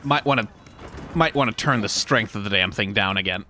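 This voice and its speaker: A man's voice: fairly low pitch, normal speed, bright, forceful tone, slight background noise. A man doing casual gameplay commentary, thinking aloud in a musing, wryly exasperated way. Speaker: video game streamer.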